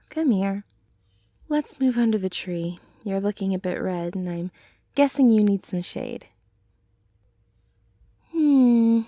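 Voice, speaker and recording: A woman voicing a gentle, teasing centaur girlfriend in a soothing ASMR roleplay, with breathy murmurs and soft sighs. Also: mid-range voice, no echo, clean studio sound. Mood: teasing, concerned. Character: gentle, caring, teasing female centaur girlfriend, hardworking farmer.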